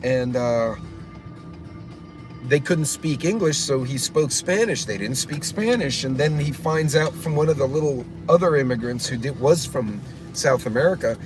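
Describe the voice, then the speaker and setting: A man's voice: mid-range voice, expressive, normal speed, poor audio. A man hosting a prepper vlog in a car, talking bluntly and casually, with lots of fillers, restarts and swearing. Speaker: prepper channel host. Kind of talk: casual rambling vlog commentary. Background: classic rock music playing.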